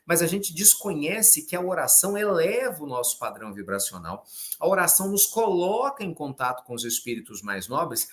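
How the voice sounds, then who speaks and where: A Brazilian man speaks in a fairly high voice that swings widely in pitch. He preaches in a warm-spoken, emphatic, conversational way, tossing in quick checks with his listeners as he explains a spiritist reading. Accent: Brazilian Portuguese.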